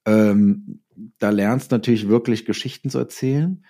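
A middle-aged man with a lowish, steady, dark-toned voice is a guest in a conversational interview. An audio drama writer and author, he tells his stories reflectively and haltingly, often restarting and correcting himself as he goes.

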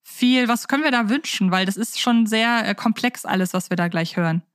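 Higher-voiced woman hosting a podcast. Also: fairly quick, dry recording, clean studio sound. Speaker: podcast host. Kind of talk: casual podcast chat and reading aloud.

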